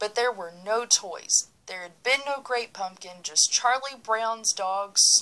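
What we hear is plain reading aloud.

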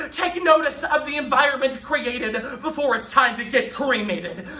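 A man's raised, projected voice at an extremely high pitch, moderate pace and ordinary pitch variation. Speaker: spoken word poet. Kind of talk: spoken word poetry performance. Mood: critical, sarcastic. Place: empty room. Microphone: camera far.

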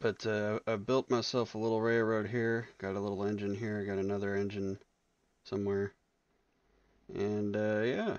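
A man speaks at a moderate pace in a fairly low voice. His intonation is monotone and flat, with long, frequent pauses. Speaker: gaming channel host. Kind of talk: casual gameplay commentary. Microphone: headset.

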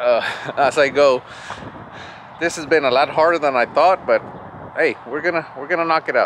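A man speaks at a moderate pace with fairly even intonation. The sound is dry with no echo, and there is light background noise. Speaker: machine shop owner vlogger. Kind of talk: casual vlog chat. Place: open country. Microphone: phone near.

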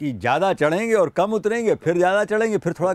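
Recorded with a dry sound and no echo, a man speaks at a high pitch. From India, Madhya Pradesh. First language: Tamil (speaking Hindi). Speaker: retired senior civil servant; interviewee. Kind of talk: interview. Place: studio.

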